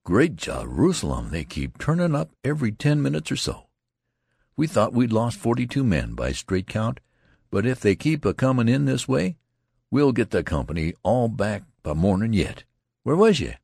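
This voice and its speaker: A gruff, irritable army corporal barking blunt, rustic scolding, as a man puts him on. His raised voice keeps a husky, gravelly grain, recorded close and dry. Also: medium pitch, sing-song, normal speed, a little mellow, no echo, voice pushed up, full character voice. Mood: irritated.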